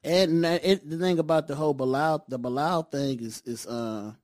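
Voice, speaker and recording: A man's voice: fairly high pitch, moderate pace, darkish tone. A man from Detroit with an African American accent, talking casually and emphatically, repeating himself and checking he is understood. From Detroit, United States. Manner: emphatic and repetitive, with frequent checking tags. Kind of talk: casual conversation.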